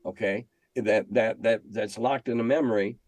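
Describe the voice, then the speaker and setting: A fairly low, darkish voice belongs to an older American man appearing as an interview guest; he's a veteran game designer and editor. His tone stays steady and his speed normal while he tells stories, opinionated and emphatic, repeating phrases for stress. The audio is dry with no room echo.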